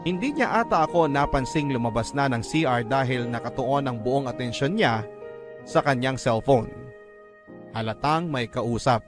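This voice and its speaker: A man with a Filipino accent reading a dramatic first-person story as narrator, in a measured storytelling manner. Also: medium pitch, over music.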